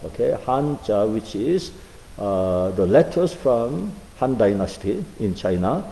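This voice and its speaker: Slow, dark-voiced man teaching a class. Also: on the low side, expressive, creaky, in a large hall, low-quality recording. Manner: slow, halting, many fillers. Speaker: Korean language teacher. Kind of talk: online class lecture.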